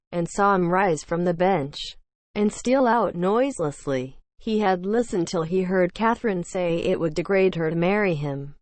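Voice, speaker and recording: Female audiobook narrator for classic literature: lower register, expressive scripted read, close dry sound. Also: no room sound.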